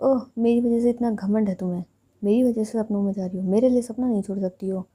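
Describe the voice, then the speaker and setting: Teasing young woman in love, husky dark voice, woman reading her part. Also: mid-range voice, steady tone, quick pace, natural voice. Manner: teasing, joking.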